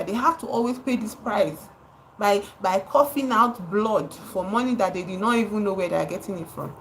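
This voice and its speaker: A woman's voice: medium pitch, slight background noise, poor audio. Impassioned Nigerian woman livestreaming. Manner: impassioned, repeats words for emphasis, greets chat viewers. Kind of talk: live stream commentary.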